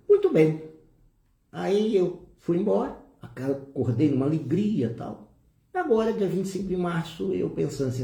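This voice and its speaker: A middle-aged man with a Brazilian Portuguese accent tells a personal story during a spiritist lecture. His voice is dark and mellow, and it rises and falls in lively swings as he acts out the dialogue. The sound carries a roomy echo. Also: medium pitch.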